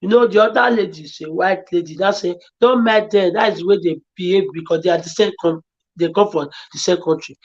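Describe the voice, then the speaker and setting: A woman's voice: fairly low pitch, fairly quick, darkish tone, muffled recording. A woman with a Nigerian accent, a guest on a talk show, giving earnest, repetitive and pleading advice. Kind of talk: emotional advice-giving chat.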